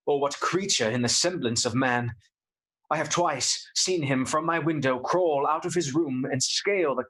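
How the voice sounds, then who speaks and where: A man acting an anxious, earnest young gentleman. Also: medium pitch, lightly acted, poor audio. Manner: earnest, polite, uneasy. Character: anxious young English gentleman trapped in a castle. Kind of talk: radio play acting, dramatic diary narration.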